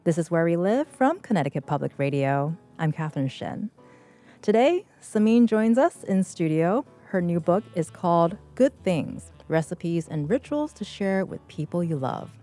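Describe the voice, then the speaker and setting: A woman hosts a public radio interview in a measured, attentive way. Her voice is low and mellow. Faint music sits behind her. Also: very animated. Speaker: radio host. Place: radio studio.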